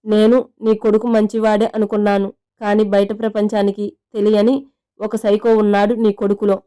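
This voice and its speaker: A woman's voice: mid-range voice, level tone, normal speed, mellow, clear, resonant tone, lightly acted. A woman voicing a fierce, protective young woman who answers with scorn, in a plain reading voice. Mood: defiant. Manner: scornful, then pleading.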